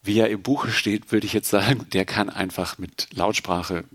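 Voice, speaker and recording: A man from Germany working as a sign language interpreter, calmly explaining terms in an interview with thoughtful pauses. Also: fairly low pitch, dry recording. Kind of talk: interview conversation.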